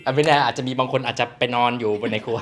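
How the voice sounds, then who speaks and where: A man's voice: medium pitch, steady tone, very fast, fairly bright tone, a little hiss or hum. A man hosting a joke quiz game in a casual, teasing way, laughing often between questions. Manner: jokey, laughs often, polite ending particles.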